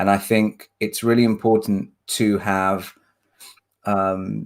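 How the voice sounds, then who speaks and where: A man with a strong English accent in a very clean recording over a silent background. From England. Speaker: singer. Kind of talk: interview. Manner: halting.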